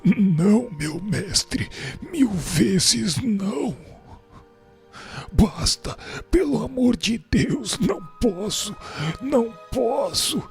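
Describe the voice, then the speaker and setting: Radio drama role: remorse-wracked damned son, played by a man, slow, anguished begging in a high register, over music. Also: expressive, creaky, a little mellow, heavily acted. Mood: desperate pleading. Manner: anguished, pleading, melodramatic. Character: remorse-crazed condemned sinner, a son begging his mother's forgiveness. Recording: music behind the voice.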